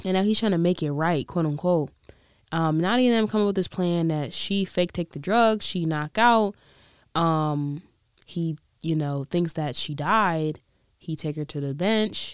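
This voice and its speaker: Delivered at a moderate pace, the speech comes through on a very clean recording with a silent background. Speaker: YouTuber / podcaster. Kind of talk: casual solo chat, TV recap. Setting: filmed on camera, indoor recording room. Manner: casual, laughs often, filler words; put-on British accent in parts.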